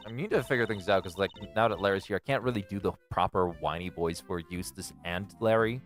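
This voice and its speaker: A man's voice: sits low, brisk, a bit bright, faint music behind. A man chatting casually about which voices to use for characters. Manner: casual, musing aloud. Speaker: player voicing characters. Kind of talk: casual chat.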